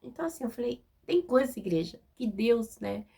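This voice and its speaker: A woman's voice: fairly high pitch, lively intonation, normal speed, vocal fry, warm tone, breathy edge. A woman with a Brazilian Portuguese accent preaching a conversational sermon, direct and informal, often checking in with tag questions.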